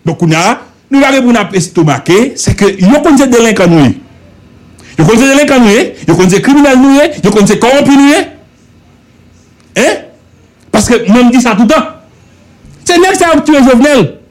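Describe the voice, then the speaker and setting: Expressive and brisk, a high-voiced man with a Haitian accent delivers fervent political commentary on a radio talk show from the studio, leaving long pauses. He hammers home each point with repetition and rhetorical questions.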